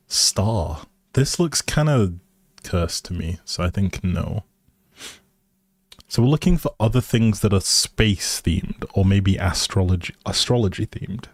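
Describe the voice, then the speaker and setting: A man with a deep, low voice talks through a game livestream. He is unhurried and easygoing, thinking aloud as he goes. The sound is close and dry, with very little room. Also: lively intonation, slightly rough, no room sound. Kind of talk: casual livestream commentary while playing a life simulation game.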